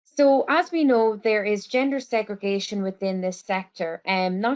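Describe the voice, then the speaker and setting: With an unremarkable speaking voice, a woman keeps a medium pitch and a moderate pace while her pitch varies in an ordinary way. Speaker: conference presenter. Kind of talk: conference presentation.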